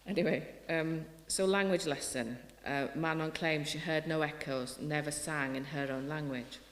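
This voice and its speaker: A woman's voice: low-pitched, moderate pace. A middle-aged woman poet from Wales with a Welsh accent, giving an earnest festival talk and reading her poetry, often restarting her sentences. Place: hall. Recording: roomy hall reverb.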